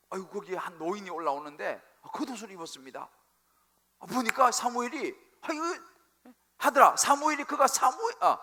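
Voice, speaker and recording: A male pastor preaching a sermon, telling the story with animated, acted-out quotes. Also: sits high. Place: church sanctuary.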